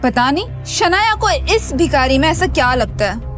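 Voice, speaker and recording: Brief: taunting young woman cousin, high falsetto, put on by a man, soft music behind. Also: big pitch swings, moderate pace, exaggerated voice. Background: background music.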